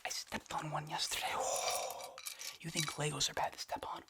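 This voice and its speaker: A whispered ASMR performance at a middling pitch, played as an obsessive conspiracy theorist. The speaker rambles urgently, stammers and circles back over the same phrases, breathy and hushed. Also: level tone, normal speed. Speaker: ASMR video creator. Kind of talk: whispered ASMR comedic roleplay.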